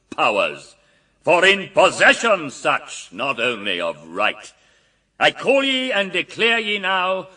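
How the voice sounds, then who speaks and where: Proud fallen angel for verse radio drama: bright forceful voice, huge swings from booming to hushed, slightly off-mic. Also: male voice, recorded from a distance, heavily acted. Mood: triumphant, booming. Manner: grandiose, declamatory, swinging from booming cries to hushed murmurs.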